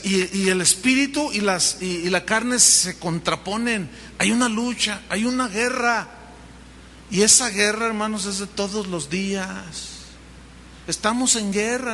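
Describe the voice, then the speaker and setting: A man's voice: sits high, measured pace, sharp tone, slight background noise. A man with a Mexican Spanish accent preaching a sermon as pastor, telling the story vividly and acting out the dialogue. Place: church hall. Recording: long reverb of a large hall.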